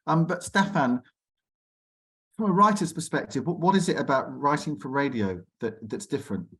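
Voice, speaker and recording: A man's voice: on the high side, expressive, normal speed, a bit bright. A man informally hosting an online discussion, putting chatty, rambling questions to the others over a video call. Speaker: discussion host. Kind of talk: informal online panel moderation.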